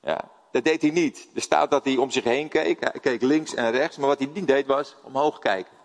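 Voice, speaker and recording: A man's voice: medium pitch, moderate pace. An older Dutch man preaching a sermon, telling stories and putting questions to his congregation. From Netherlands. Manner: lively storytelling, asks the audience questions. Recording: long hall reverb.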